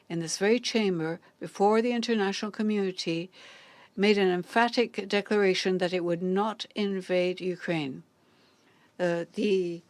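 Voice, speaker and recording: A woman simultaneously interpreting formal diplomatic speeches, measured and deliberate, pausing on hesitant fillers. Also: on the low side, darkish tone, no echo. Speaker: conference interpreter.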